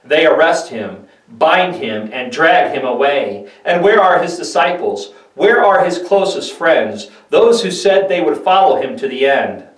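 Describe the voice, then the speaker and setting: A man giving a solemn, deliberate scripted dramatic narration of scripture, like a pastor reading. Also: fairly high pitch, sing-song. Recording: echoey room, distant microphone.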